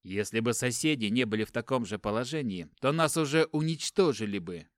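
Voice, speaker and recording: A man's voice: mid-range voice, lively intonation, normal speed, no echo, clean studio sound, lightly acted. A man voicing a detached, firm warrior who clips his words coolly. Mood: impassioned. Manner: firm, clipped, cool.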